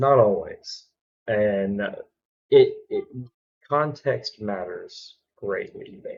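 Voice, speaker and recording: Speaking at a very slow pace with a strong Southern US accent, a man leaves long, frequent pauses while his loudness swings widely. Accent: thick Southern. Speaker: reaction video creator. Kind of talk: casual commentary. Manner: halting, many fillers.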